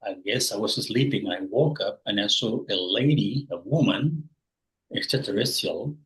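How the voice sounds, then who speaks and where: A man's voice: fairly low pitch, animated, moderate pace, rough recording. A man in his sixties from Peru, answering interview questions and rephrasing as he searches for words. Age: 60s. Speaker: guest.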